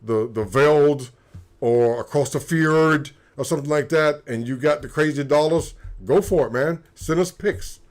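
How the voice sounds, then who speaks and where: A man's voice: a little high, measured pace. Matter-of-fact male co-host explaining. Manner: matter-of-fact with frequent restarts. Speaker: co-host, former sniper. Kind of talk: casual explanatory livestream talk.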